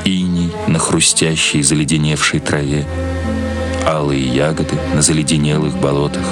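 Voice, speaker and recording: Very deep-voiced male literary narrator. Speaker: narrator, reader.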